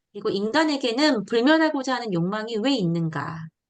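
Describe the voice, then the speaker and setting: A woman at a moderate pace, her fairly high voice making very wide pitch swings. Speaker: discussion moderator. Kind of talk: book discussion.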